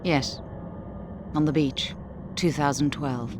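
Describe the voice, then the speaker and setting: A weary woman soldier haunted by war in a game cutscene. Her very low voice is sombre and introspective, against loud ambient noise. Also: fairly even intonation, slow. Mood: subdued.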